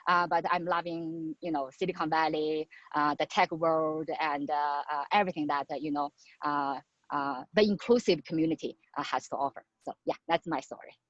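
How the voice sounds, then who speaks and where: A woman from China in her thirties, introducing herself on a video call with a halting manner full of fillers. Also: sits low, steady tone, no room sound. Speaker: venture investor. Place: outdoors on a patio. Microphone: laptop mic on video call. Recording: muffled video call audio.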